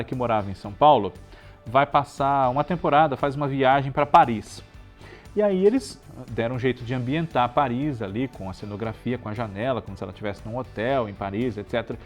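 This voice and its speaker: A Brazilian man presenting in a conversational, chatty way, telling biographical stories and often adding little checking tags. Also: mid-range voice. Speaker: presenter of a show on television history.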